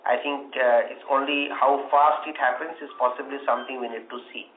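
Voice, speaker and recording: A man speaking as a company executive, giving measured, hesitant, unscripted answers to investor questions on an earnings call. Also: medium pitch, fairly even intonation, slight background noise. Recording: roomy, band-limited conference phone line.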